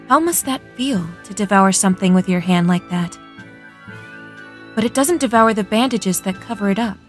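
Woman acting young female warrior, earnest, prim, easily flustered, high-pitched, game fan dub. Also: close to an everyday voice.

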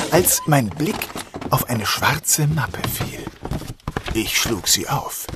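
An actor playing a composed, dryly confident police detective in a German crime audio drama. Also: male voice, mid-range voice, heavy background noise. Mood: tense narration. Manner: measured, dry, commanding.

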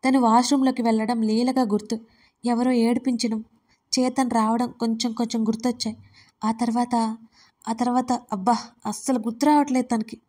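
Woman reading a story out loud, steady, kinda high voice. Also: brisk. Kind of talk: audiobook narration.

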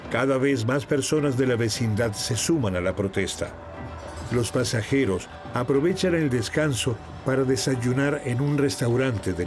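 Calm male documentary narrator over music. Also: medium pitch. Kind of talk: scripted narration.

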